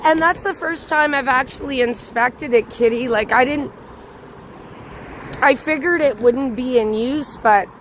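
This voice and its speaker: Slow-talking hoarse woman live-streaming outdoors. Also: high voice, a bit bright, rough recording. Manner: chatty, greets chat viewers by name. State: slightly hoarse. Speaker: livestream host. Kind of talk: live walking vlog chatting with viewers. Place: outdoors on a city bridge at night with traffic. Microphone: handheld camera on a gimbal. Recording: outdoor street recording with clear traffic noise. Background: traffic noise.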